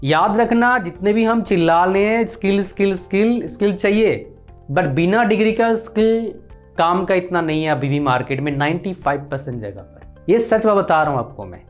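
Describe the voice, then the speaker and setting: A man's voice: high voice, expressive, normal speed, faint music behind. Earnest Indian man giving career advice. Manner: earnest, lecturing, addresses viewers as brother. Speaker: career counsellor. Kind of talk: direct-to-camera advice talk.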